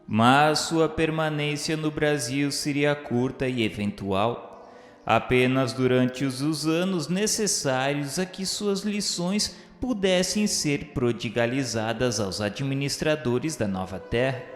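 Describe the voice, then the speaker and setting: A man with a Brazilian accent reads scripted radio novela narration in a solemn, formal, measured manner. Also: mid-range voice. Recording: echoey reverberant voice over music. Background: music bed.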